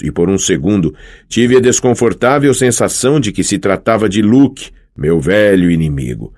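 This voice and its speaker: A man narrating an audiobook in first person, with expressive storytelling. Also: fairly low pitch.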